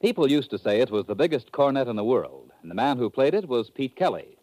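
A man's voice: medium pitch, very animated, quick pace, a little mellow, no room sound. An American man announcing a 1950s radio promo in a polished, punchy, dramatic style. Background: music.

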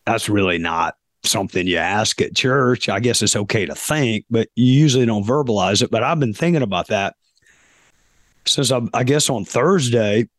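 Hoarse man hosting a podcast. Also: on the low side, fairly bright tone, no room sound. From South Carolina, US. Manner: deliberate, pausing often with fillers. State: hoarse, losing his voice. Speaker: podcast host. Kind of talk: reflective podcast monologue.

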